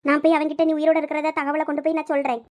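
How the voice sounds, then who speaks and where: A woman's voice: high voice, level tone, racing, a little mellow, voice pushed down, natural voice. A woman voicing an older female servant in a cartoon, firm and reassuring, with a Thoothukudi Tamil accent. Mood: resolute.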